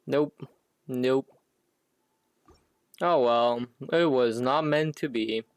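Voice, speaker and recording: Male game streamer, mid-pitched, very slow and sparse, casually muttering to himself while playing. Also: clean tone, dry recording. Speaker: game livestreamer. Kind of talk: casual solo gameplay commentary.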